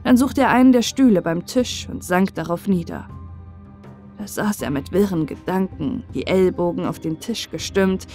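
A woman narrating a sad fairy tale as an audiobook, calm and steady for bedtime listening. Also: medium pitch.

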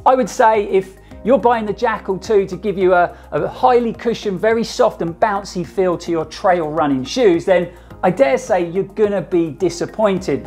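Upbeat man reviewing gear. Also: high-pitched. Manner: energetic, chatty, enthusiastic. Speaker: running shoe reviewer. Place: small home studio, indoors.

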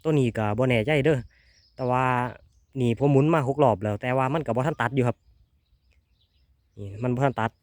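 A man with an Isan accent hosting a casual hands-on demo, talking excitedly and repeating his words as he tests an engine. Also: medium pitch, a little fast, long pauses, no echo. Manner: excited, repeats words, exclaims over results. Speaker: video host.

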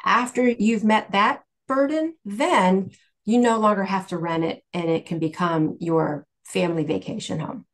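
A woman guest speaker answering questions in a measured, careful, explanatory way. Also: mid-range voice. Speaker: guest speaker, tax exchange specialist.

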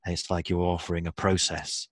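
A very deep-voiced man speaks calmly on a video call, carefully mirroring what he has heard. The sound is dry and close, with no room around it. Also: brisk, dry recording. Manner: calm, reflective paraphrasing. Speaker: listener reflecting back in an empathy circle. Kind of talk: casual video call discussion.

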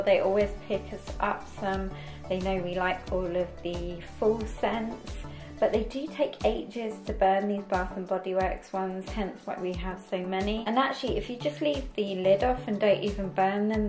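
A woman's voice: mid-range voice, a little mellow, low-quality recording. A young British woman vlogging from her living room, chatting casually and upbeat about home decor. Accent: British English. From United Kingdom. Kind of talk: casual home vlog chat.

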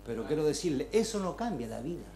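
A man with a Chilean accent preaching a sermon, moving between soft, confiding talk and fervent shouting. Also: a little high, sing-song, fast talker, over a noisy crowd. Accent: Chilean Spanish. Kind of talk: Pentecostal-style sermon. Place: church hall. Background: congregation calling out amens.

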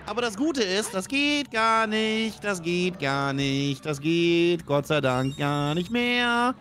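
A man's voice: sits high, very animated, takes it slowly, fairly bright tone, slight background noise. A man from northern Germany giving casual, colloquial gaming commentary as a teasing backseat co-host, often repeating himself. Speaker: co-host of a gaming let's play, backseat advisor.

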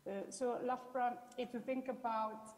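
A woman's voice: fairly high pitch, little pitch movement, normal speed, a little mellow. A woman with an Italian accent giving an explanatory presentation as an academic researcher, often restating her words. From Italy. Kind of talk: spoken presentation with slides. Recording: echoey hall with long reverb.

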